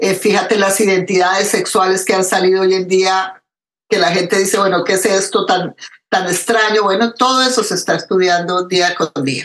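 A woman with an unremarkable speaking voice, medium pitch, fairly even intonation, very even loudness and a moderate pace. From Colombia, Bogotá. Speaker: psychologist and sexologist. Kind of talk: interview conversation.

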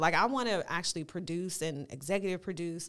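In a very clean recording with a silent background, a woman with a fairly low pitch has a plain, everyday voice and lively intonation. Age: 40s. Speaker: podcast co-host. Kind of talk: casual chat.

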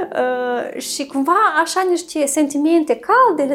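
There is noticeable background noise. Over it, a woman speaks with ordinary pitch variation. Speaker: urban anthropologist and tour guide. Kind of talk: casual interview.

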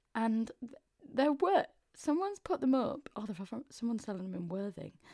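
A woman in an East Midlands accent, dark and mellow in tone, on a very clean recording with a silent background. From East Midlands, England. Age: 20s. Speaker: podcast host and dance teacher. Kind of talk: casual solo monologue. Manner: animated.

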